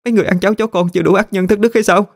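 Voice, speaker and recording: A man's voice: high-pitched, fairly even intonation, very fast, gravelly, pitched above the performer's own voice. A man voicing a terrified young pregnant woman who pleads tearfully with her aunt. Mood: pleading.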